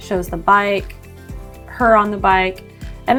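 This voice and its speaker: Music plays in the background as a woman with an American accent speaks at a fairly slow pace. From Southern California. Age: 40s. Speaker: commercial photographer. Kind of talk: photo editing tutorial talk. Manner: casual.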